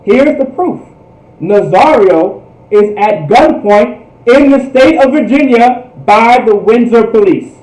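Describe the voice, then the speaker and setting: A man's voice: extremely high pitch, expressive, slow, darkish tone. A man teaching in a fervent preaching style, emphatic, with repetitive, rhetorical phrasing. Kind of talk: fervent religious history teaching. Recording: echoey room, distant microphone.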